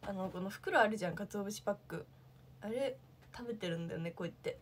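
A woman's voice: mid-range voice, fast talker, a little hiss or hum. A young woman, an idol, chatting casually on a livestream, answering viewer comments and thinking aloud with lots of fillers.

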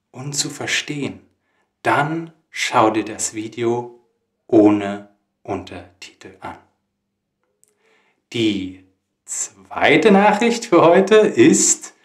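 A man hosting a German lesson, speaking slowly and carefully to learners. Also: mid-range voice, echoey room. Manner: deliberate, careful phrasing for learners. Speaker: German teacher, host. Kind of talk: slow, clear teaching talk to learners.

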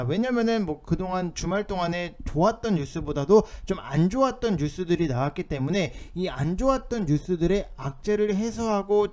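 Over on-screen notes, a man delivers informal stock market commentary, explaining points insistently and with some urgency. His voice is a little high with a darkish tone.

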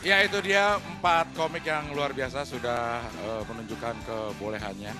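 A middle-aged man with a medium-pitched, steady voice at normal speed hosts stand-up comedy on a TV studio stage, ribbing the comics and joking. Loud crowd laughter and music come through behind his handheld mic.

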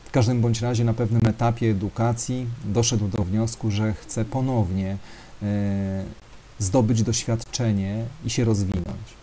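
A man's voice: lowish voice, steady tone, unhurried, warm tone, a little hiss or hum. A man telling a story to an audience, talking hesitantly with fillers and speaking directly to his listeners.

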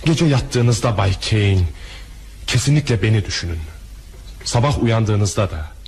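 A man's voice: on the low side, lively intonation, moderate pace, darkish tone, close to an everyday voice. A man acting a proud, bitter hotel owner with a vengeful streak in a crime radio drama. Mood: bitter, menacing. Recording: faintly noisy radio drama recording.

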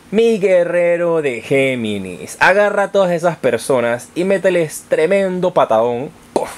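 A man's voice: on the high side, sing-song, slow. A man hosting an informal tarot horoscope, addressing viewers directly in an affectionate, encouraging manner. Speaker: tarot reader and channel host.

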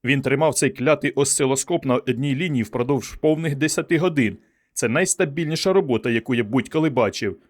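A man voicing a boisterous, blunt surgeon who shouts in excitement. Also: mid-range voice, a little fast, voice pushed up, lightly acted. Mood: impatient. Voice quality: exclamatory, boisterous. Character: boisterous jubilant male surgeon, loud and blunt.

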